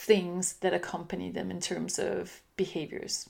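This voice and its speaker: With vocal fry and a Danish accent, a woman speaks at a moderate pace. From Denmark. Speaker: parenting coach. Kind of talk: solo podcast monologue.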